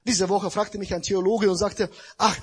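Husky high-voiced male preacher. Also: level tone, normal speed, darkish tone. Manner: emphatic, addresses the congregation directly. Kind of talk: sermon.

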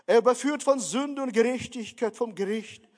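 A man's voice: very high voice, moderate pace, a little mellow. A man preaching a sermon, emphatic, repeatedly calling his listeners dear friends. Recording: long hall reverb.

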